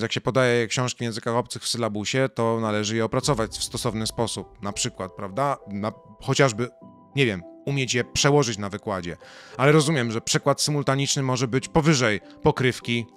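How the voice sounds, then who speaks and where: A man giving a sarcastic, mocking commentary monologue, swinging between loud outbursts and low muttered asides. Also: fairly quick, faint music behind. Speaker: video commentator.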